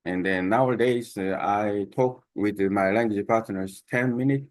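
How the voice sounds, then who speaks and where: Slow, halting man with a Korean accent. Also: lowish voice, dry recording, studio quality. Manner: halting, many pauses and fillers. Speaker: language learner sharing his method. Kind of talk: unscripted talk to camera.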